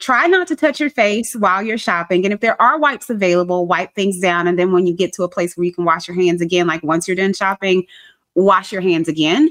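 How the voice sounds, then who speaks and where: A woman's unremarkable speaking voice with lively intonation, dry and close with no echo, in a very clean recording with a silent background. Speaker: radio host and fitness coach. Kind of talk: casual podcast chat.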